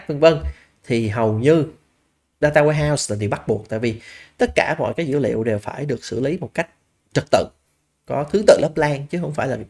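A man's voice: medium pitch, creaky. A man teaches over a slide deck, walking through each point in a plain conversational way. He poses rhetorical questions to his listeners and leans on small fillers as he thinks. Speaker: business analysis instructor. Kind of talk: slide lecture.

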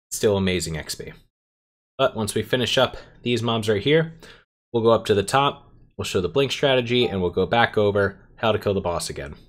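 A man giving step-by-step commentary over his own gameplay, explaining a dungeon strategy. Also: fairly low pitch. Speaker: game guide creator.

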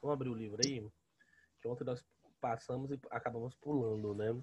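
Husky Brazilian man with a sore throat. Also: medium pitch, fairly even intonation, a little fast, mellow. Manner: colloquial, often adding "né" and "tá" tags. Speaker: history teacher. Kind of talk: casual online lesson, explaining. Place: small room at home, indoors. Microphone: headset on a video call.

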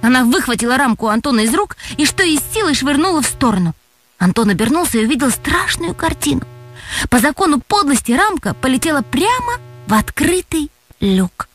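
A woman narrating a children's audio tale with expressive storytelling. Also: sits high, brisk, soft background music.

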